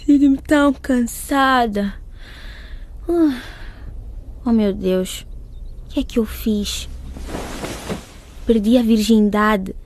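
A woman's voice: fairly high pitch, slow pace, pauses often, a little mellow, a little hiss or hum. A woman playing an anxious, guilt-ridden young student in love in a radio drama monologue. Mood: weary, guilty. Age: young adult.

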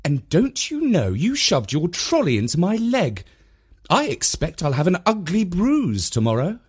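A storyteller voicing a spirited mother, indignant but good-humoured, speaking in a lively way. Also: mid-range voice, measured pace, husky, pitched above the performer's own voice, full character voice.

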